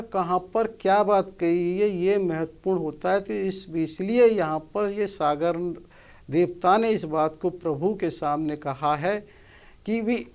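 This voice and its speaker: High-voiced man explaining scripture. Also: darkish tone. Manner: earnest, explaining with rhetorical questions. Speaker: motivational speaker.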